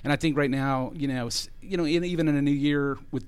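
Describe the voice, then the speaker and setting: A man's voice: on the high side, steady tone, clean tone. A man hosting a radio interview in a studio, joking and rambling in casual chat. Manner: quick, jokey, rambling. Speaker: radio show host.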